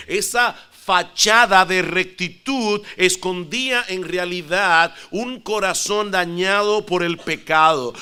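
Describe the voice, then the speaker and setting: A middle-aged man from the Dominican Republic with a Dominican Spanish accent, preaching a sermon in an earnest, measured way and praying softly. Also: high-pitched, clear, resonant tone. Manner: earnest, measured preaching with soft, hushed prayer. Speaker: pastor.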